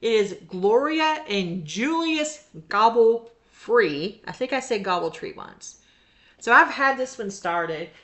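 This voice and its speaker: Chatty, bright-voiced woman stitching vlogger. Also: on the high side, expressive, slow pace. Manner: chatty, rambling, laughs often. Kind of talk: casual show-and-tell chat.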